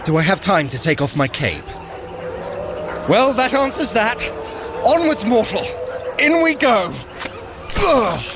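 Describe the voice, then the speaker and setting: A man's voice: high-pitched, sing-song, takes it slowly, pauses often, background noise, exaggerated voice. A man playing a sly, theatrical Norse trickster god in an audio adventure, wry and flamboyant, with elaborate formal wording. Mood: alarmed. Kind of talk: dramatic audio adventure acting.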